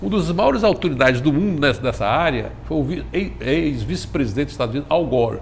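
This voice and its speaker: A man talks very fast with lively intonation and a fairly high pitch, barely pausing, and the room echo is audible. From Brazil, Ceará (Fortaleza). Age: 60s. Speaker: retired university professor and former rector. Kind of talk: TV interview. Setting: studio. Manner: halting.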